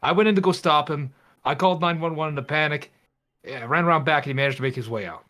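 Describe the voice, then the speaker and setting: A man's voice: fairly high pitch, quick pace, a bit bright, lightly acted. A man playing a reasonable, apologetic guy who pleads on behalf of his friend in a tabletop game. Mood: placating, anxious.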